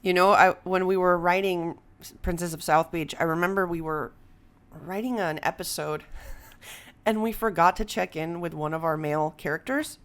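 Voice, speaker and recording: A woman's voice: lowish voice, moderate pace. A woman chatting casually and candidly on a podcast in informal, slangy language. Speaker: podcast speaker, writer and performer. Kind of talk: casual conversational interview talk.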